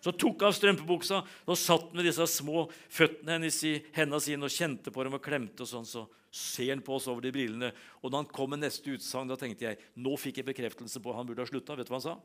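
A middle-aged man preaching a sermon and telling personal stories, animated, swinging between loud emphasis and quiet asides. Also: medium pitch, few pauses.

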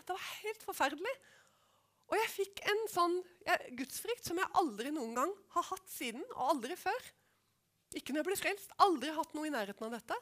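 A middle-aged woman with a high voice preaches a personal testimony. She tells it as a lively story and keeps checking that her listeners follow along. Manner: animated storytelling, asks listeners "skjønner du?". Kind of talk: testimony sermon.

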